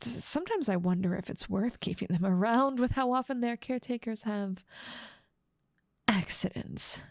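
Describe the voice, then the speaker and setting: A woman's voice: medium pitch, vocal fry, darkish tone, no echo, clean studio sound. A woman playing a dominant, teasing female demon ruler of hell in an ASMR roleplay, with playful menace and amused condescension. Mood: sly, casual. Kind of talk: ASMR roleplay audio drama.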